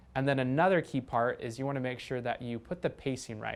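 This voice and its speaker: A man with a medium-pitched voice speaks with fairly even intonation on a very clean recording with a silent background. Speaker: video marketing consultant. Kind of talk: tutorial. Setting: video studio set. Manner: casual, unscripted.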